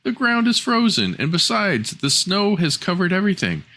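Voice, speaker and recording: A man voicing a gentle, mistreated young girl in a storybook, polite and plaintive. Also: high voice, sing-song, normal speed, pitched above the performer's own voice, heavily acted. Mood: plaintive, pleading. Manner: pleading, polite.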